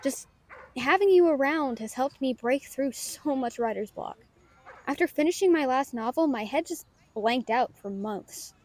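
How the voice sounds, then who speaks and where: A woman's voice: sits high, lively intonation, a little slow, a little mellow. A woman playing a playful, self-doubting young novelist, chatty and teasing, in an intimate audio roleplay addressed to a friend. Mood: playful, grateful.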